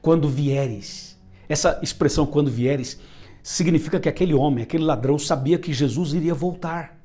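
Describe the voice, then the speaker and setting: A man's voice: a little high, fairly quick, warm tone, faint music behind. A man with a Brazilian Portuguese accent preaching a sermon, emphatic and repeating phrases for effect.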